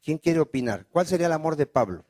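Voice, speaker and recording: A pastor delivers a sermon in a fairly high voice. He keeps asking the congregation questions and calling for their amens. The sound is dry and close. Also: animated, fast, a little mellow, no echo. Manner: preaching with call-and-response questions.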